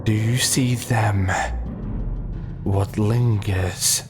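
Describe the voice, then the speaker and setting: A man voicing a masked cult leader who questions a dead body in a low, half-whispered voice. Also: steady tone, very slow. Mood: menacing. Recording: distant with music behind.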